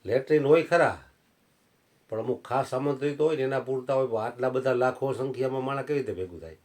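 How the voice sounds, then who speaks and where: A man's voice: mid-range voice, fast, darkish tone. A man telling folksy anecdotes in a satsang sermon. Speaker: preacher.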